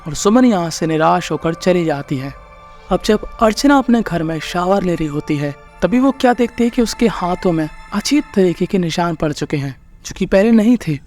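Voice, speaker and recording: A man's voice: sits high, a little mellow. A man narrating a horror movie recap in a casual, chatty way with jokey asides.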